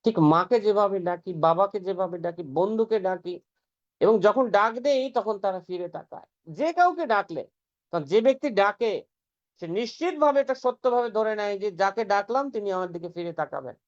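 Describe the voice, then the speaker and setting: A man's voice: high-pitched, animated, normal speed. Earnest male preacher, dull lo-fi recording. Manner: earnest, explanatory, chants passages aloud. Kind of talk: devotional scripture talk.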